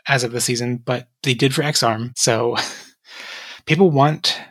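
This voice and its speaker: A woman's voice: a bass voice, unhurried. Rambling young woman chatting casually. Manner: rambling, lots of filler words, laughs often. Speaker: podcast co-host. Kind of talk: casual chat.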